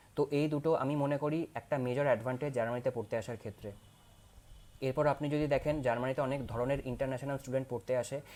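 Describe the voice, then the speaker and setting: A man's medium pitch with a dark, mellow tone. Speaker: student explaining study abroad. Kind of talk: tutorial. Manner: hesitant with filler sounds.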